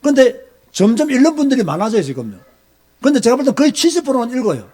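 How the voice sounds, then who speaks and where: High-voiced emphatic Gyeongsang pastor. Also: male voice, sing-song, fast, dark tone. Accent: Gyeongsang Korean. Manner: emphatic, scolding, rhetorical questions. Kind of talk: sermon lecture.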